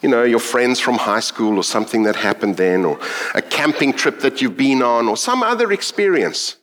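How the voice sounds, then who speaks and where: A middle-aged man from South Africa with a South African accent, preaching a sermon in an earnest, reflective way with thoughtful pauses. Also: medium pitch, animated, fairly bright tone.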